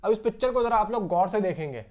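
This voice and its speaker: A man's voice: sits high, animated, fast talker, muffled recording. A man giving casual, rambling film news commentary, chatting directly to his viewers like friends. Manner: conversational, rambling, addresses viewers as bro.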